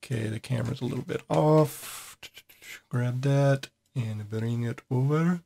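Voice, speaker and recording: A man hosting a casual screen-recorded tutorial, his voice at an ordinary middle pitch. He thinks aloud as he works, loose and unhurried. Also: vocal fry. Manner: thinking aloud with fillers and restarts, relaxed. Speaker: software tutorial host.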